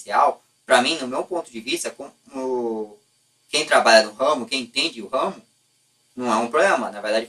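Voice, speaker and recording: A man's voice: medium pitch, bright, forceful tone, far from the mic, poor audio. A man with a Brazilian Portuguese accent giving casual, unscripted opinions in a blunt, colloquial way, often stopping to rephrase himself. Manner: blunt, colloquial, lightly profane. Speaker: YouTube host.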